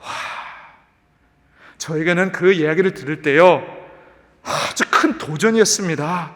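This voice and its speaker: A male pastor preaching a sermon in an animated way, dropping English words into his talk. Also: fairly high pitch, a little slow, in a large hall. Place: church sanctuary.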